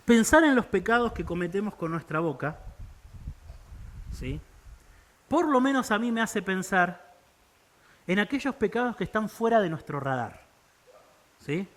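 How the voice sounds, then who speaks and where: High-voiced earnest Argentine preacher. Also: male voice, big pitch swings, a little slow, long pauses, fairly bright tone. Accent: Argentine Spanish. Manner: earnest, pleading preaching with rhetorical "¿sí?" checks. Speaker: pastor. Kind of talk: sermon.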